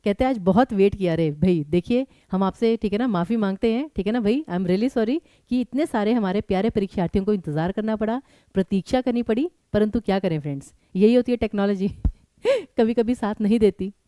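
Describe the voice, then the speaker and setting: Brisk woman teacher with a mellow voice. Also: mid-range voice, expressive, no echo. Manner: brisk, urging students to answer fast; mixes English words into Hindi. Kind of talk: live online exam-prep class.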